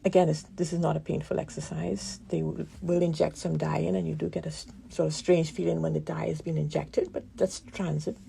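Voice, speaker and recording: A woman physician giving a radio interview, with a croaky voice from a damaged vocal cord nerve, explaining things calmly with many pauses. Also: sits low, slight background noise. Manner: calm, explanatory, pauses often.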